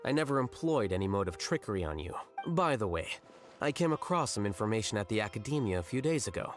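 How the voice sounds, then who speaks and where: An actor playing an aloof, dry-witted young male scholar in a video game, deadpan and condescending. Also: lowish voice, quick pace, faint music behind. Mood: dry condescension.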